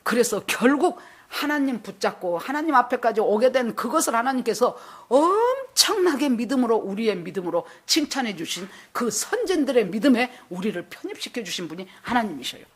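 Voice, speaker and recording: Older female pastor, husky, lively storytelling sermon with acted-out dialogue. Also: on the high side, a little fast, few pauses. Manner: storytelling, acting out quoted voices.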